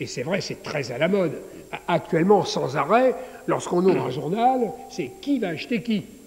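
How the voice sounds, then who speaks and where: A man speaks at a moderate pace with a high pitch and very wide pitch swings. Noticeable background noise and audible room echo surround him. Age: 50s. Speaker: travel company executive. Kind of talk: interview. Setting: public conference in an abbey.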